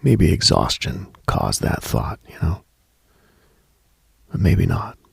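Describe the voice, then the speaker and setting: Very deep, breathy, slow man. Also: sing-song, no room sound. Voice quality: husky, breathy, gravelly low voice. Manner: hushed, deliberate, brooding storyteller with pauses. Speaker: late-night radio host. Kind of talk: scripted late-night mystical monologue, ASMR-like.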